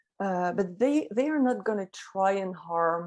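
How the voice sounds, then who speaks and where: Medium-pitched woman's voice, dark and mellow in tone, at a fairly slow pace with a French accent. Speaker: shaman and medium. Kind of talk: interview.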